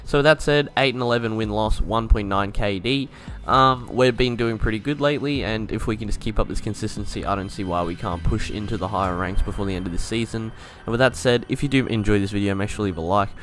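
Bright-voiced young man casting his game. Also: on the low side, fast, few pauses. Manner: laid-back, swears casually, thinks aloud. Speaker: gaming YouTuber. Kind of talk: casual gameplay commentary.

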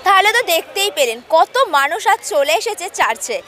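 A young woman with a Bengali accent, hosting a lively vox pop street interview with a handheld mic outdoors. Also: extremely high pitch, fairly quick. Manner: lively, chatty presenter. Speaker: street reporter and host. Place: crowded churchyard lawn outdoors. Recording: outdoor crowd in the background.

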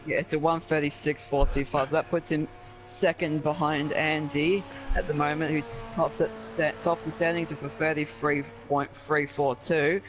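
Flat-voiced male race co-commentator. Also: a little high, moderate pace, over music. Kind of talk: sim racing stream commentary.

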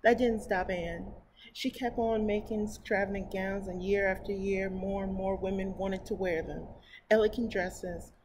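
A woman's voice: medium pitch, normal speed, rough recording. A middle-aged American woman reads a picture book aloud at a children's storytime, with enthusiastic, chatty asides. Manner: expressive, enthusiastic, exclaiming. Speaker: library storytime reader. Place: indoors in front of a painted mural. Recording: clear steady background noise.

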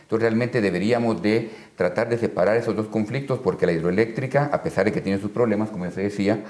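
A man, a guest on a panel debate, who speaks in a measured, persuasive way. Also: on the low side, a little mellow, echoey room.

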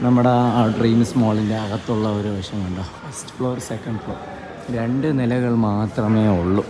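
A man's voice: on the low side, fairly even intonation, normal speed. A man walking through an empty building while filming, talking with eager enthusiasm and repeating stock words of praise. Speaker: vlogger. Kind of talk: walking tour vlog. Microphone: phone camera held while walking. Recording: phone recording with clear street noise.

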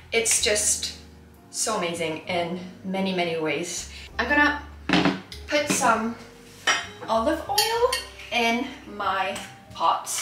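In a small home kitchen, a woman from Iceland in her twenties cooks and talks with enthusiasm, leaning often on "like" and "honestly." She's a lifestyle vlogger doing casual cooking chat, her mid-range voice carrying a reverberant echo.

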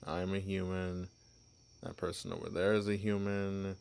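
A man's voice: deep voice, level tone, normal speed, creaky, a little mellow, smooth. A man playing a stammering shy vampire. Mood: nervous bluffing. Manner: stammering, flustered, apologetic. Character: shy clueless young male vampire posing as human. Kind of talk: ASMR audio roleplay.

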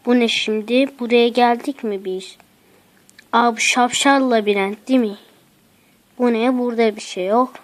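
A woman's voice: on the high side, fairly even intonation, moderate pace. A woman giving let's play commentary as she explores a game map, exclaiming, muttering to herself and using slang. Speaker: gaming channel host.

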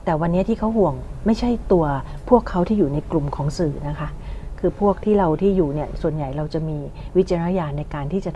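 Female panel host, lowish warm voice, wordy and searching for phrases. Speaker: talk show host. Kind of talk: studio panel discussion, interviewing guests. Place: television studio. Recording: muffled sound with clear background noise.

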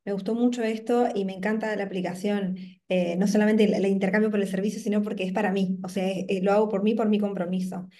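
A woman's voice: medium pitch, fairly even intonation, quick pace, hardly any pauses, dark tone. Encouraging Rioplatense woman host. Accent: Rioplatense Spanish. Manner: encouraging, thoughtful questions, fillers like "tipo". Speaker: workshop host and interviewer. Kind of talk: warm interview over video call. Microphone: video call, laptop mic.

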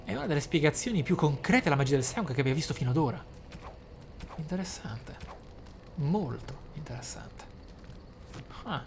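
A man's voice: fairly high pitch, expressive, normal speed, long pauses, slight background noise. A man hosting a gaming channel, reading lore aloud expressively and musing on it in asides. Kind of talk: reading game lore aloud with off-the-cuff commentary. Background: game music.

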